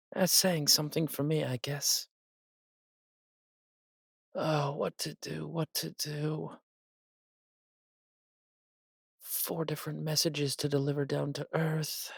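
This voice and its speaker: A man's voice: on the high side, vocal fry, fairly bright tone, breathy edge, dry recording, clean studio sound, exaggerated voice. A man playing a harried, anxious messenger angel in an audio drama monologue, muttering fretfully and scolding himself. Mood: anxious, fretting.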